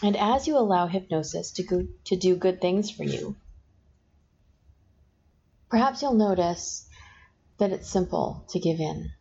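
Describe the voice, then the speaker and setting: A woman hypnotist talks the listener down into trance with slow, soft, repeated suggestions. Her voice sits low and mellow. The recording is dull and lo-fi, with a faint hiss underneath. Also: lively intonation, vocal fry. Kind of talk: guided hypnosis session. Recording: dull lo-fi sound with faint noise.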